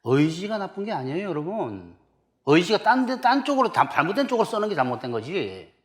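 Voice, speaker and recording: A man's voice: sits high, very animated, fairly quick. A middle-aged man from South Korea preaching a sermon as pastor, emphatic and full of rhetorical questions to the congregation.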